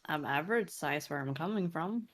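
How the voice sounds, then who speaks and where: A woman playing a guarded male space pirate crewman who answers in short, flat replies. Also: low voice, moderate pace. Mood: dry.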